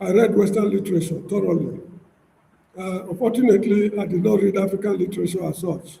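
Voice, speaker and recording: In a room with audible echo, a man talks very fast at a high pitch with monotone, flat intonation. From Nigeria, Benin City. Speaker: political commentator. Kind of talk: casual discussion. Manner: halting.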